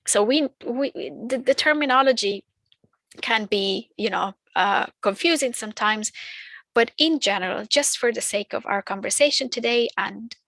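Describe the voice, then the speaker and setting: A woman's voice: a little high, moderate pace, gravelly, fairly bright tone, no room sound. A woman whose first language is not English, explaining terms in a training talk, with fillers and restarts. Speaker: early years language trainer.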